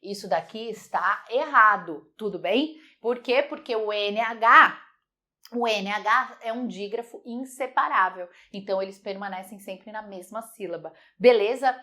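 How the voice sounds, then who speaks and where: A woman teaching a Portuguese grammar lesson, lively and emphatic, repeating words slowly to model their sounds. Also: mid-range voice.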